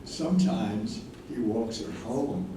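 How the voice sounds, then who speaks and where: Man as slow stage narrator, very echoey. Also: mid-range voice, close to an everyday voice. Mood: measured. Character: measured male narrator of a stage play. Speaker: play narrator. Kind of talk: scripted narration. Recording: very echoey, noisy hall, far from mic.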